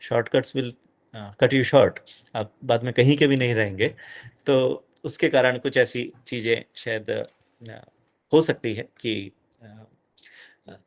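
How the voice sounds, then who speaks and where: A middle-aged man giving an animated lecture to an audience as a guest speaker, dropping in English phrases. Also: medium pitch, slow pace, vocal fry, long pauses.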